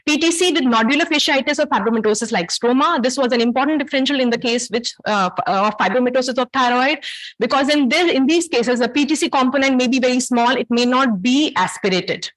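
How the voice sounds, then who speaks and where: A woman's voice: sits high, rough recording. A woman with a South Asian accent giving an interactive academic lecture as a medical teacher, in a didactic manner that puts questions to her listeners.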